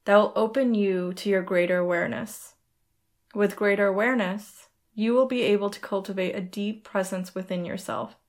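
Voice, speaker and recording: A woman guides listeners as a meditation host. Her delivery is soothing and measured, with instructions laid out in an orderly, deliberate way. It has the style of a spoken relaxation practice. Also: mid-range voice. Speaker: podcast host and yoga nidra guide.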